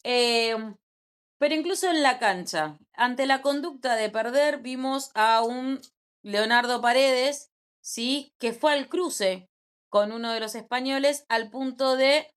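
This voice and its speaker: A woman's voice: high-pitched, slow pace, smooth. Argentine woman teaching a chatty class. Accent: Argentine Spanish. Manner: conversational, checks in with frequent rhetorical questions. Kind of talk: informal class lecture.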